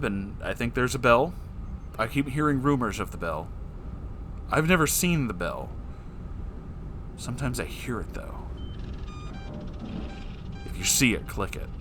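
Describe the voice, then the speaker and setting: Recorded off camera at a desk with background noise, a medium-pitched man hosts a rambling advice session for his viewers. He answers their questions with playful affection and plenty of self-deprecation.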